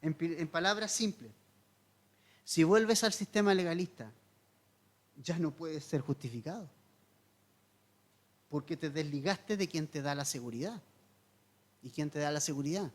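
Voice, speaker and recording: A man's voice: a little high, lively intonation, a little slow, long pauses. Man preaching with rhetorical questions. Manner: asks the listener rhetorical questions and repeats key points for emphasis; earnest, explanatory teaching tone. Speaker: pastor. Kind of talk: verse-by-verse sermon.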